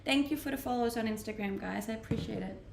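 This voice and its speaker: Speaking quickly with vocal fry, a woman with a Danish accent hosts a relaxed livestream from the home she rents, responding to viewer comments and laughing frequently. Her voice sits a little high. The room echoes, and there is slight background noise.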